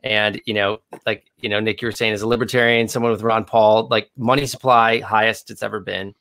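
Gravelly low-voiced male podcast host. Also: level tone, a little fast, a bit bright, no room sound. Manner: loose, questioning, many "you know"s. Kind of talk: casual chat.

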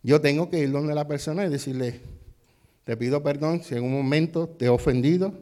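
A man's voice: on the high side, fairly quick, dark tone. A male pastor preaching a sermon, asking the congregation questions and answering them, with repetitive, emphatic rising delivery.

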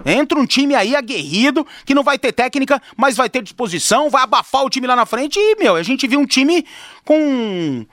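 A man's voice: very high voice, sing-song, moderate pace, a bit bright, dry recording. A Brazilian man chatting casually and giving joking, opinionated football commentary on a sports show.

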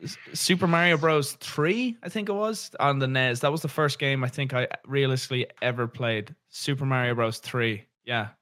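A young Irish man with a Dublin accent chatting casually as a podcast co-host, easygoing and swearing freely, often trailing off into quiet asides. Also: mid-range voice, moderate pace, few pauses, dry recording, clean studio sound. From Ireland. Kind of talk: casual chat.

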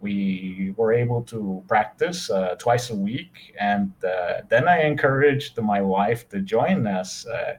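A man chatting as a guest in a relaxed interview, often pausing on "uh" as he thinks. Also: lowish voice. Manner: relaxed, hesitant with many "uh" fillers. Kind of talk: casual conversational interview.

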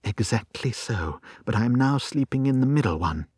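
A man voicing an anxious, eager young gentlewoman in an audiobook story, with an earnest, urgent manner. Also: medium pitch, animated, moderate pace, breathy edge, dry recording, studio quality. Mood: composed.

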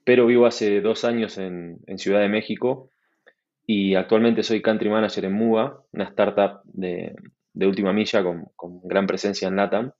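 Argentine man speaking low on a call. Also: moderate pace, dull audio. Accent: Argentine Spanish. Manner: relaxed, fluent, many restarts and fillers. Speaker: guest, startup manager. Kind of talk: conversational interview.

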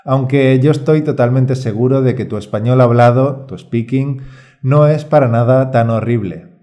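A man presenting a Spanish course as a teacher and podcast co-host, calm and reassuring in a scripted delivery. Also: medium pitch, normal speed.

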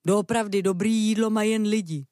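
A woman's voice: mid-range voice, fairly even intonation, darkish tone, no echo, clean studio sound, close to an everyday voice. A woman voicing a cheerful, greedy male dog who chats and boasts in a children's storybook reading. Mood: chatty. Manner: chatty, boastful.

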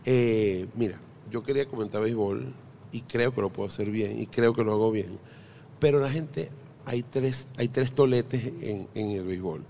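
A man's voice: on the low side, normal speed, vocal fry, mellow, slight background noise. A middle-aged Venezuelan man, a podcast guest, chatting casually and telling anecdotes with jokes and frequent restarts. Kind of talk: casual interview chat.

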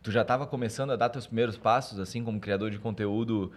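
A man's voice: on the low side, fast. A man hosting a casual podcast, joking and slangy as he asks his guests questions. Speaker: podcast host.

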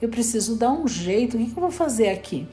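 A woman voicing a gentle, anxious young queen who is a mother, speaking softly and low. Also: big pitch swings, quick pace, soft background music. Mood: worried. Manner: soft, worried, low.

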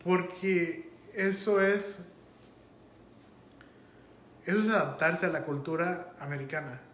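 A man's voice: fairly high pitch, takes it slowly, roomy sound, a little hiss or hum. A man from Mexico with a Mexican Spanish accent, telling anecdotes animatedly in casual podcast chat. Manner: animated storyteller.

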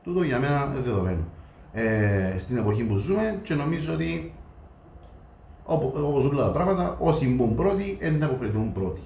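A man with a Greek Cypriot accent chats informally and makes his points in everyday colloquial speech. His voice sits at a middling pitch. The recording is echoey and a bit muffled, with faint noise. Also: expressive, creaky, darkish tone. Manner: colloquial, acts out imagined customer dialogue. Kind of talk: animated casual discussion.

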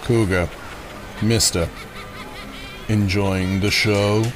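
A man playing a sinister, knowing carnival showman in a dark audio drama, with an ominous, poetic and politely menacing manner. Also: fairly low pitch, steady tone, drawn-out words. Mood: sly, amused. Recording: music under the voice.

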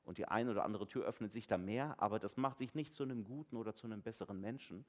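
A pastor giving a family service sermon in a conversational, lively way, acting out voices in the dialogue he retells. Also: lowish voice, fast. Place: church. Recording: long church reverb.

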